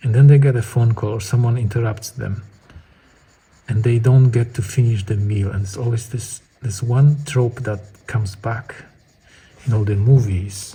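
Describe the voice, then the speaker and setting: Long, frequent pauses mark this man's moderate pace, and he speaks with a non-native accent in a medium pitch, a relaxed tone and fairly even intonation. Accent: foreign accent, self-noted. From Poland. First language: Polish. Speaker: artist and vlogger. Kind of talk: casual monologue while drawing. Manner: relaxed, rambling.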